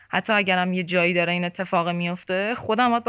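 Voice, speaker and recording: A woman speaks in a bright, sharp tone at a very fast pace. The background is quiet. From Iran, Tehran. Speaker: podcast guest sharing life story. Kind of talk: casual interview conversation.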